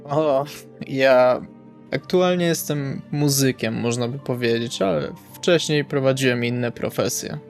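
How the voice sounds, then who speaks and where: A man's voice: mid-range voice, takes it slowly, gravelly, soft background music. A man playing a polite, awkward musician who speaks hesitantly and courteously in a tabletop game. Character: Salvi, polite, awkward musician friend of the daughter.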